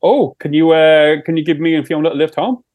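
A young Irish man co-hosting a podcast, telling stories in a sweary, animated way. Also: on the high side, fast. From Ireland. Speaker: podcast co-host. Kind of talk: casual chat.

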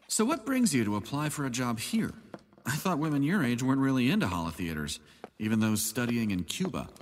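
An actor playing a friendly, conversational theater owner interviewing someone in an audio drama. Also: male voice, mid-range voice, sing-song, fairly quick, close to an everyday voice. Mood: affable. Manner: affable, conversational. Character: friendly male holotheater owner interviewing a job applicant. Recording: long hall reverb, some noise.

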